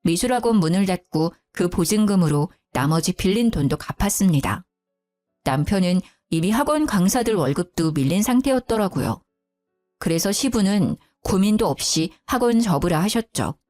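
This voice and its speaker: A woman narrating a dramatic first-person story in a scripted, expressive way. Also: lowish voice, moderate pace, faint music behind. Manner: expressive, heated when telling of her anger.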